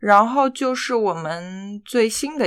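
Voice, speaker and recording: A woman speaks at a fairly slow pace with lively intonation. It is a normal speaking voice on a very clean recording with a silent background. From China, Xi'an. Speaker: podcast co-host. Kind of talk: casual chat.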